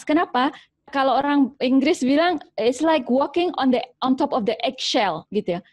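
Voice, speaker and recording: Brief: woman doctor, high voice, animated parenting lesson with acted-out examples. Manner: lively, acts out mother and child voices, mixes in English phrases. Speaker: doctor giving parenting advice. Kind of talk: parenting talk.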